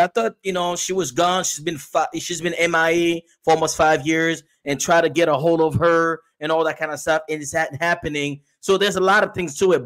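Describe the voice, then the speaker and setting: Earnest middle-aged man on a video call. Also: on the high side. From Haiti. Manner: earnest, animated storyteller. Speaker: guest, emotional health coach. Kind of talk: casual chat on a video call. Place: small room at home. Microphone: video call webcam.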